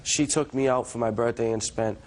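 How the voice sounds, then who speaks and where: A man's voice: medium pitch, steady tone, brisk, a little mellow. A young man testifying as a defendant in court, deferential yet insistent as he answers the judge. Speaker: defendant in small claims court.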